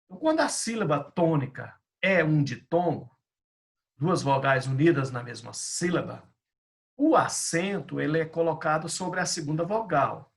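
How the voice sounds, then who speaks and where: A middle-aged man teaches a language lesson in a gravelly voice. He pitches it slightly high and explains patiently, restating each point. He talks like a pastor guiding a class. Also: animated, moderate pace.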